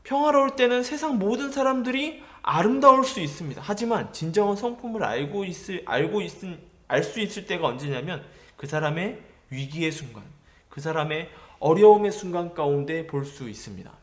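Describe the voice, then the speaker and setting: Young male youth pastor from Gyeongsang, high light voice, gentle storytelling sermon. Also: lively intonation, brisk. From Gyeongsang region. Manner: gentle storytelling with questions to listeners. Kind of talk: sermon to middle schoolers.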